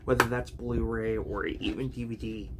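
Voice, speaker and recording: A man chatting casually about his video collection, rambling with many fillers and restarts, his voice a bit raspy. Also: medium pitch, steady tone, measured pace. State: raspy, clearing throat. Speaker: home video collector vlogger. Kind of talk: casual unscripted chat. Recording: noticeable background noise.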